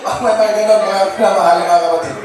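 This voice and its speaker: A man's voice: high-pitched, fairly even intonation, quick pace. A male pastor gives a humorous sermon, joking with the congregation, laughing often, and dropping English words into his talk. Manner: jokes with the crowd and laughs often; keeps addressing the listeners as brothers and sisters. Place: church. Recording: very echoey church from a distance, noisy.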